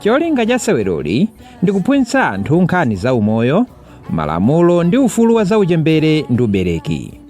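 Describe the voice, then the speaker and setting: A Malawian man presents a radio drama with very animated, sweeping intonation. His voice sits a little high for a man. Music plays softly behind his scripted narration. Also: brisk. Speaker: programme announcer and narrator.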